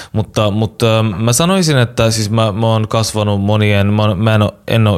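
A man with a Turkish accent, fairly low in pitch, monotone and flat in intonation, at a moderate pace, on a very clean recording with a silent background. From Turkish-speaking background, moved to Finland at 14. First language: Turkish (speaking Finnish). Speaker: member of parliament. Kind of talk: panel discussion. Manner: halting, many repeated words.

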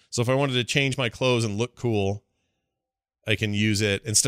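In a very clean recording with a silent background, a man speaks at a very fast pace, fairly low in pitch with ordinary pitch variation. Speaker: podcast host. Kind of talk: casual chat. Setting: live stream with chat room.

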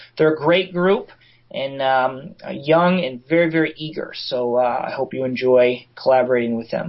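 A man's fairly high voice moves at a moderate pace with ordinary pitch variation while noticeable background noise sounds behind him. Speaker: Google certified trainer and teacher. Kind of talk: casual chat.

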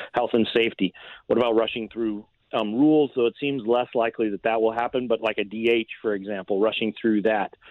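This man has an ordinary speaking voice and medium pitch. He talks at a fairly quick pace with fairly even intonation. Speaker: baseball beat writer. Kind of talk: radio interview, sports analysis.

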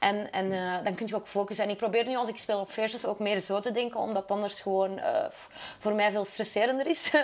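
A woman talks at a fairly quick pace in a medium pitch, with a normal speaking voice. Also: fairly even intonation. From Belgium, Brussels. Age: 20s. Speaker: DJ. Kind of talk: casual interview.

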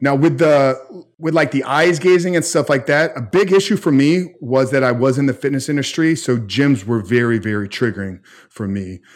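In a very clean recording with a silent background, a man with a plain, everyday voice talks at a moderate pace with lively intonation, a fairly high pitch and hardly any pauses. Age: 30s. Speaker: men's health coach, former bodybuilder. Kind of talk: interview conversation.

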